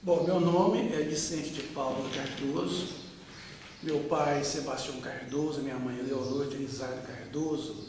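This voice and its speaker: A man in his fifties from Brazil speaks in a fairly high voice, slowly reminiscing with frequent pauses and fillers. He sounds distant from the microphone in a very echoey room with a long reverb tail, and a faint hiss sits underneath. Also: steady tone. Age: 50s. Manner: unhurried, with many pauses and fillers. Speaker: interviewee. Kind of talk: reminiscing oral-history interview. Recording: echoey room, mic far off.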